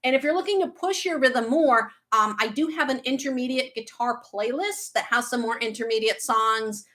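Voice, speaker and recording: Bright chatty woman with a Boston accent. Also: fairly high pitch. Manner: chatty, reads out viewer comments, quick asides. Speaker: guitar teacher hosting a livestream. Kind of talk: casual livestream Q&A.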